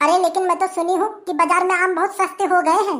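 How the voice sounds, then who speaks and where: In a cartoonish character voice, a woman talks at a very fast pace with extremely high pitch and monotone, flat intonation. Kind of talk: rustic village comedy. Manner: bargaining, sceptical.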